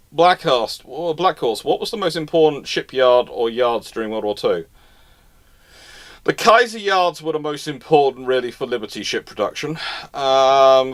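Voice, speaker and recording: A man hosting a live question and answer session, talking informally and knowledgeably, often restarting and repeating his phrases. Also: medium pitch. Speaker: host answering audience questions. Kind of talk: live Q&A, casual history talk.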